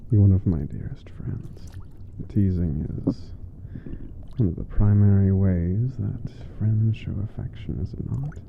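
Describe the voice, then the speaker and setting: A man playing a gentle, teasing, affectionate giant roommate in an intimate ASMR roleplay, soft-spoken and playfully formal. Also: lowish voice, unhurried, vocal fry, phone-quality sound, slight background noise.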